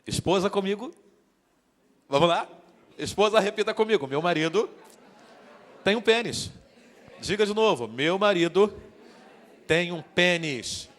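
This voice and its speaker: A man preaching from the front of a church, his voice sitting a little high for a man. He keeps things light and joking, pulls the congregation into repeating lines, and the long reverb of the hall hangs behind every phrase. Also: expressive, unhurried, pauses often. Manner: joking, interactive, calls out to the congregation. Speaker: guest preacher. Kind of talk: sermon.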